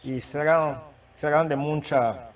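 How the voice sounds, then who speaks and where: A man who is not a native Spanish speaker, preaching and sharing a testimony, with a halting manner and many restarts. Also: fairly high pitch, recorded from a distance, muffled recording. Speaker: guest preacher. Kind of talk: sermon testimony.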